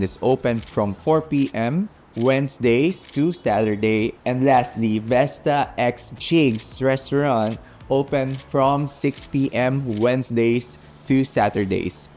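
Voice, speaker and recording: A man's voice: medium pitch, a little mellow. A man with a Filipino accent, a native Tagalog speaker, narrating a storytime vlog. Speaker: vlogger. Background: background music.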